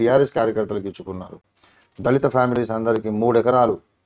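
A man speaks at a medium pitch. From Telangana. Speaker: party leader and political activist; interview guest. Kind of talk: interview. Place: studio. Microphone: lapel.

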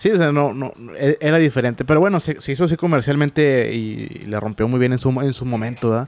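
Speaking at a very fast pace with ordinary pitch variation, a man comes through in a dry sound with no echo. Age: 30s. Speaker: podcast interviewer. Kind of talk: interview, casual chat. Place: studio. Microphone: studio mic.

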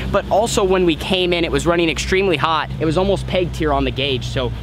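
Over music in the background, a man talks at a very fast pace, with a dry sound and no echo. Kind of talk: casual vlog chat. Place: open country. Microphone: phone near.

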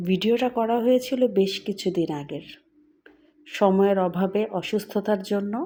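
On a very clean recording with a silent background, a woman speaks in a dark, mellow tone with ordinary pitch variation. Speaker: cooking vlogger. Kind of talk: voiceover narration for a cooking vlog.

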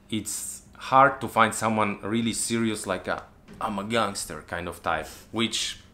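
A man with a Polish accent and a fairly low pitch speaks at a moderate pace in a bright, sharp tone. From Poland. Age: 40s. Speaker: travel vlogger. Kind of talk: casual chat. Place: home room.

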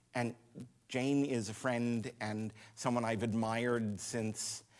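A man with an American accent speaks at a very slow pace. His medium-pitched voice is monotone, with flat intonation. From US Northeast. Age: 60s. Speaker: marine conservation scientist; guest lecturer. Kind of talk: lecture. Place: hall. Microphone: podium.

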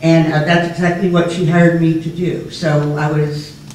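A woman speaks at a moderate pace in a fairly low voice, with audible echo from the room. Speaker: elections official. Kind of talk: panel presentation. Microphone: camera far.

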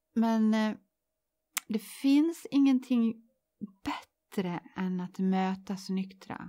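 A woman's somewhat breathy voice has a dark, mellow tone and ordinary pitch variation. She talks very slowly with long, frequent pauses over a quiet background. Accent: Dalarna. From Sweden, Dalarna (near Leksand); Dalarna, Sweden. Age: 50s. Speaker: interview guest sharing life story; interview guest. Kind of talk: podcast interview. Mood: reflective, personal childhood memories. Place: studio. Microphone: studio mic.

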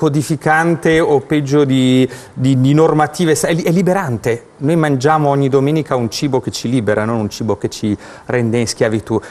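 A man with a plain, everyday voice, fairly high in pitch, with lively intonation at a moderate pace. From northern Italy, Milan; northern Italy. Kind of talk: studio panel discussion. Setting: TV studio with audience. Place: studio. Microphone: lapel.

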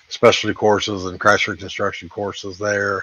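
A Midwestern American accent in a dry recording with no echo. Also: man. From central Ohio. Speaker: retired police chief, sim racer; interview guest. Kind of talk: interview. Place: home room. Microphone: video call.

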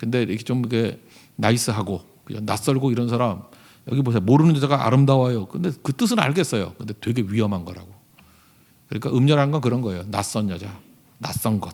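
A man at a very fast pace yet with long, frequent pauses, medium in pitch with ordinary pitch variation. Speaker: pastor. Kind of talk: sermon.

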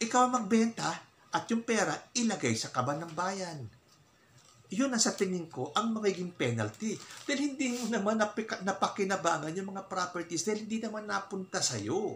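An animated man's voice, high-pitched with lively intonation, at a moderate pace over light background noise. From Philippines. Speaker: political vlogger. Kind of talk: political commentary vlog. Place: home room.

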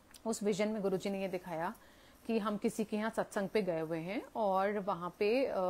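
On a very clean recording with a silent background, a woman speaks with a dark, mellow tone. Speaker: devotee sharing satsang experiences. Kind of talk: testimony. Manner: hesitant fillers.

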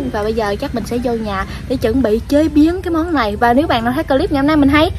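Faint music plays in the background as a woman speaks fairly quickly in a high pitch, with ordinary pitch variation and a dry sound with no echo. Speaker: food vlogger. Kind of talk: casual vlog chat. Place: garden. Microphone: phone near.

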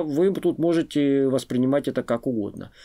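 The pace here is fairly slow. It belongs to a man speaking. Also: quiet background. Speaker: video blogger. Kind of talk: angry rant to camera. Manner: angry, emotional. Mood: angry, indignant. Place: studio. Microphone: studio mic.

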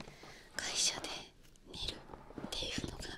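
Whispering and soft-spoken, a woman speaks at a very slow pace against noticeable background noise. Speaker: ASMR creator. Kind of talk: soft ASMR chat. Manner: soft close-mic whispered chat. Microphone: studio mic.

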